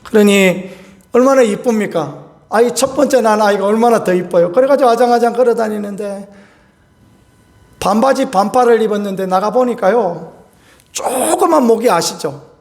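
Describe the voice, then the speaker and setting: A man in his fifties preaching a sermon, telling a homely personal story with animated, folksy delivery and chuckles. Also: high voice, normal speed. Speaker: pastor.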